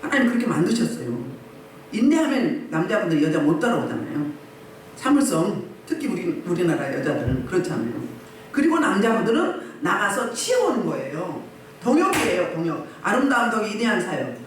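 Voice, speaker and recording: Woman pastor, emphatic sermon delivery, lively swooping pitch, boomy church hall sound. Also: brisk, slight background noise. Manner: emphatic, fires rhetorical questions at the congregation. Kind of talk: sermon at a healing service. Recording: very echoey hall, mic at a distance.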